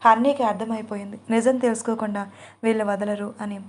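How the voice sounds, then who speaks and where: A woman storyteller reading scripted narration for an audio drama in a steady, even manner. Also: mid-range voice, brisk.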